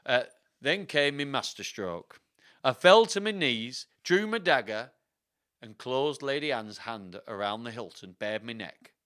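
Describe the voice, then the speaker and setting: A man's voice: medium pitch, lively intonation, unhurried, a bit bright, smooth. A man voicing a murderous, scheming male suitor in a storybook, with pleading, overwrought theatrical delivery. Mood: desperate pleading. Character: melodramatic scheming murderous male suitor narrating his tale. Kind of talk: theatrical storybook read-aloud.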